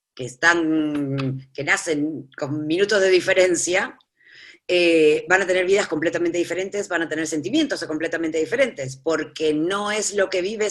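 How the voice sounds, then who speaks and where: A woman with an Argentine accent, her pitch fairly low and its variation ordinary. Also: quiet background. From Argentina. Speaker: advertising creative. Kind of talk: casual chat. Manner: halting.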